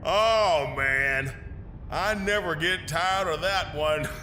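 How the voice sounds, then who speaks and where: A man's voice: a little high, slow pace, bright, forceful tone, a little hiss or hum. A man playing a cruel, gleeful tattooed prisoner in a horror audio drama, mocking and foul-mouthed. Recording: roomy echo.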